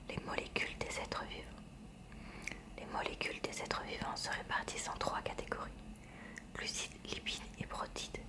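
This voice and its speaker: In this ASMR clip, a woman keeps to a quiet, library-like whisper throughout while reading from a school textbook, each word measured and precisely pronounced.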